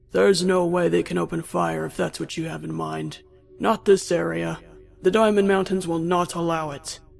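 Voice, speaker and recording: The speaker is a man doing a put-on character voice. He pitches it high. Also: moderate pace. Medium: audio drama. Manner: harsh, scornful.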